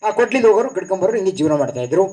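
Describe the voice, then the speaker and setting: Man, devotional discourse, high voice, storytelling, distant mic in a hall. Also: racing. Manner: animated, storytelling with acted voices. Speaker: speaker at a discourse series. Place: hall at a public function.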